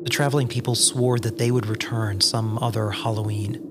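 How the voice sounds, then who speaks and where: A man playing a wary, exasperated wasteland survivor in a dark comedy audio drama, terse and cautious, with music behind. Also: medium pitch, steady tone, normal speed, noisy background, close to an everyday voice. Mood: hushed, grave. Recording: music under the voice.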